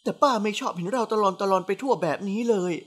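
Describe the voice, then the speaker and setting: A woman's voice: mid-range voice, fast, pitched above the performer's own voice, lightly acted. A woman reading a novel aloud, voicing a strict middle-aged aunt who is a senior doctor, firm but affectionate. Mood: scolding. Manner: firm, scolding yet affectionate.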